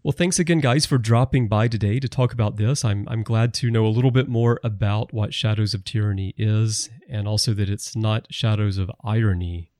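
A man's voice: on the low side, a little fast, hardly any pauses, a little mellow, dry recording, studio quality. A man hosting a podcast, wrapping up an interview in a friendly, upbeat way. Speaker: podcast host.

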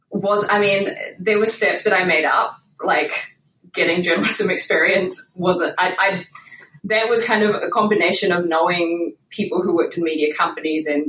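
A woman's voice: lowish voice, a bit bright, reverberant, distant mic, rough recording. A woman in her late twenties with a New Zealand accent, a podcast guest talking casually with lots of fillers and hedges. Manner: chatty, with many fillers and hedges. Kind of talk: casual interview talk.

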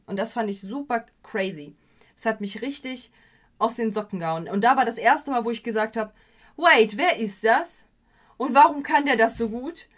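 A woman's voice: fairly high pitch, fairly bright tone. A woman hosting a podcast, chatting casually with lots of fillers and self-corrections, dropping English slang into her talk. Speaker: podcast host. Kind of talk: casual chat.

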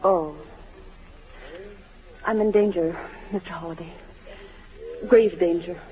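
A woman's voice: on the low side, steady tone, takes it slowly. A woman playing an anxious, pleading young actress in a 1940s radio drama. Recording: muffled old radio recording.

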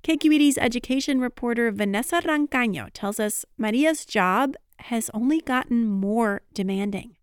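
Woman news host, higher register, dry studio read. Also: normal speed, hardly any pauses, clean tone, dry recording. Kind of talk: scripted news presenting.

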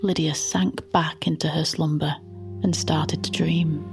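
Hushed, slow female narrator. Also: low-pitched, over music. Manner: hushed, slow, even, close to whispering. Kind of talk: scripted narration.

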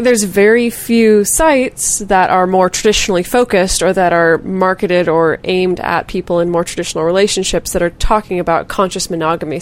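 A woman co-hosts a casual podcast discussion in a fairly low voice, sounding thoughtful and reflective and laughing lightly now and then. A faint hiss or hum is audible.

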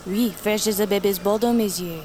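An actress playing a scheming market fish seller who hawks her catch loudly and peppers her talk with French words. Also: medium pitch, brisk, slight background noise, close to an everyday voice. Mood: hawking. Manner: pushy hawking, French-sprinkled street talk. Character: loud scheming market catfish seller woman.

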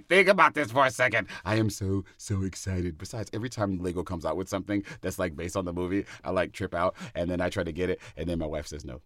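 A man's voice: medium pitch, fairly bright tone, no echo, clean studio sound. A man co-hosting a podcast, enthusiastic and slangy, laughing often. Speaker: co-host. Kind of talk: casual podcast chat.

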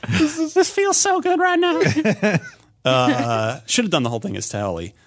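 A man hosting a gaming podcast, chatting and reading aloud in an animated, easily amused way. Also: sits high, a little slow. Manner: animated, breaks into giggles while reading. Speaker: podcast host.

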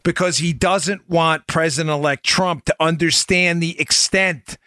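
A man's voice: fairly high pitch, fairly even intonation, unhurried, sharp tone, dry recording, studio quality. A man hosting a political talk show in an emphatic, insistent monologue, firing rhetorical questions at his listeners.

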